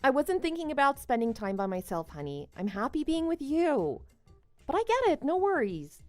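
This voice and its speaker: A woman performs a devoted, accommodating wife in a scripted story drama. Her voice is high and swings animatedly as she talks conversationally. The recording is dry and close. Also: very animated, normal speed, darkish tone, no room sound, faint music behind. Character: devoted, slightly needy wife, doubtful but accommodating.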